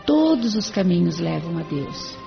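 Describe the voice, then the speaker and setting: A woman's voice: on the low side, sing-song, measured pace, creaky, heavily acted. A woman playing a serene church spirit. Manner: explanatory, composed. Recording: dull lo-fi with faint music.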